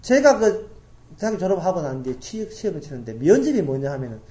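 A middle-aged woman from Daegu preaching a sermon as pastor, repeating key phrases and swinging from loud emphasis to hushed asides. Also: lowish voice, sing-song, fast. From grew up in Daegu, South Korea.

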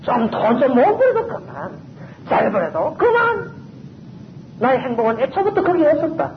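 A pastor preaching in a church sanctuary. The high voice swings widely in pitch and repeats phrases for emphasis. The sound is roomy and a little dull, with a faint rumble underneath. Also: sing-song, moderate pace. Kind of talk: sermon.

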